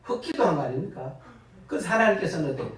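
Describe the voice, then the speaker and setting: A retired pastor, preaching a lively sermon full of laughing asides and sudden loud bursts. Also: male voice, a little high, fast. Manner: animated, laughing storytelling with sudden loud rises. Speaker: guest pastor. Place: church sanctuary. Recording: echoey church from far off.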